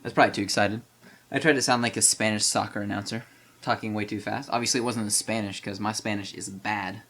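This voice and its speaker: A man's voice: fairly low pitch, a little hiss or hum. Chatty man commentating a video game. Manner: chatty, full of fillers, apologetic asides; bursts into fast excited play-by-play.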